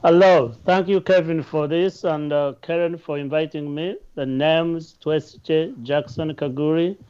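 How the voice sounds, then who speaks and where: A man's voice: a little high, steady tone, unhurried, darkish tone, smooth. A man with a Ugandan accent introducing his nonprofit on a panel in an earnest way, with light jokes. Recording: muffled lo-fi audio.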